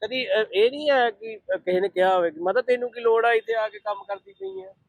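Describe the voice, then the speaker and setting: Reporter guy, friendly questions, gravelly kinda high voice. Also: lively intonation, brisk, no room sound, rough recording. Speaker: interviewer, reporter. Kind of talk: street interview.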